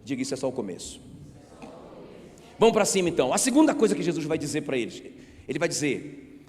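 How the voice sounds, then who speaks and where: A man preaching a sermon as pastor, emphatic, asking the congregation rhetorical questions and calling on them to shout back. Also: on the high side, very animated, quick pace. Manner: asks the crowd rhetorical questions. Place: church sanctuary. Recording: reverberant church hall.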